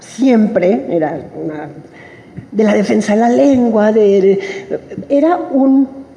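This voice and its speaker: A woman speaks at a very slow pace, her pitch swinging very widely. The recording has audible room echo and noticeable background noise. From Mexico. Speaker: historian and author. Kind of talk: book presentation talk. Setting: book fair panel.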